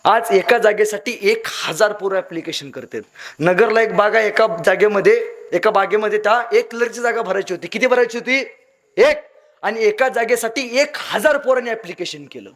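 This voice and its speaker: A male motivational speaker with a high voice tells his stories dramatically at a moderate pace. He swells into loud appeals, then sinks to hushed lines.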